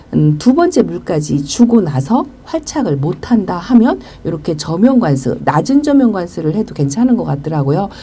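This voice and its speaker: Very wide pitch swings mark speech at a moderate pace, heard through noticeable background noise. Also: woman, fairly low pitch for a woman. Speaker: succulent gardening vlogger. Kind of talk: casual plant care vlog talk. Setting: home balcony.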